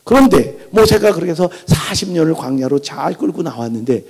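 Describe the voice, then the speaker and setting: A middle-aged pastor preaches with animated storytelling, jumping from loud outbursts to near-whispers. His voice is gravelly and husky, sitting a little high. It rings out in a large church hall with long reverb. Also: fairly quick. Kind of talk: revival sermon. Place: church sanctuary.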